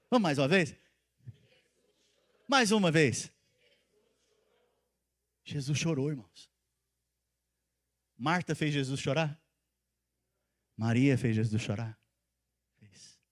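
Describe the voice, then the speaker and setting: High-voiced pastor preaching. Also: male voice. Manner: swings between loud emphatic calls and soft intimate asides; asks the congregation questions and repeats phrases for stress. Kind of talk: sermon.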